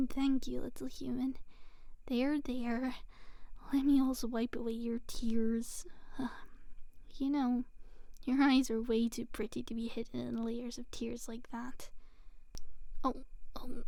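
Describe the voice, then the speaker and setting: A woman voicing a teasing but secretly gentle female demon in an intimate ASMR roleplay, with a soft, breathy, often whispered delivery. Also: fairly high pitch, no echo.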